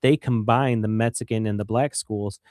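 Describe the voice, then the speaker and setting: A man's voice: lowish voice, fairly even intonation, moderate pace, a little mellow, no room sound, clean studio sound. A man with a Michigan accent, a guest on a radio interview, talking earnestly and repeating words when he stresses a point.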